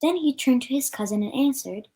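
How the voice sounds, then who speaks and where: A woman's voice: high voice, animated, fairly quick, dark tone. A woman reading a children's story aloud as a storyteller, with an occasional stumble over the words.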